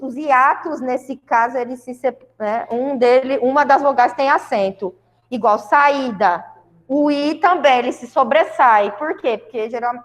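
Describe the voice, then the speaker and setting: A woman's voice: high voice, long reverb tail. A Brazilian woman teaching a grammar lesson to a class, explaining step by step and often checking in with her students. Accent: Brazilian Portuguese. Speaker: school Portuguese teacher.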